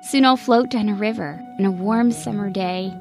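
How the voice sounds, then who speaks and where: A woman voicing an eager little girl fox in a storybook, excited and pleading. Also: medium pitch, moderate pace, faint music behind, natural voice.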